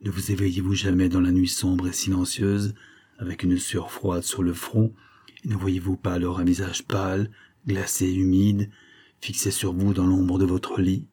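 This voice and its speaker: A man's voice: medium pitch, moderate pace, dark tone, slightly rough, voice pushed up, lightly acted. A man voicing a defiant young gypsy woman who taunts and threatens with ominous prophecy, in an audiobook reading. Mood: low menacing.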